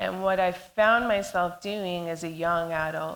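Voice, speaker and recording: A woman with a Canadian West Coast accent. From Vancouver Island, British Columbia. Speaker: storyteller. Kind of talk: personal storytelling on stage. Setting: stage with audience. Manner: loud.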